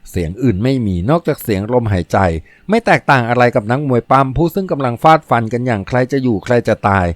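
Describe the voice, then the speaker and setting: A man narrating a novel as an audiobook reading in a steady storytelling manner. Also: medium pitch, quick pace, no echo.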